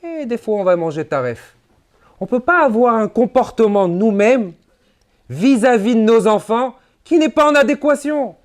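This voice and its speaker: Speaking at a moderate pace with lively intonation, a male rabbi preaches at a conference and sprinkles in Hebrew religious terms. His delivery is emphatic, abruptly climbing and falling in both pitch and volume.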